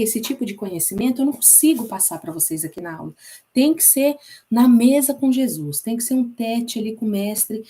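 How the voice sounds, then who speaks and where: A woman's voice: on the high side, mellow, slight background noise. A woman with a Brazilian Portuguese accent who teaches an informal Bible class in a chatty way, repeating herself and using many fillers.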